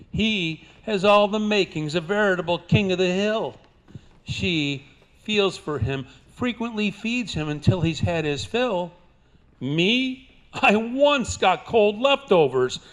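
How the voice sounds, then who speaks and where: Older man, slow folksy cowboy twang. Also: fairly high pitch. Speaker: cowboy poet performing at a senior center. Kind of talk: live cowboy poetry recital with folksy banter. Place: live before an audience at a senior center.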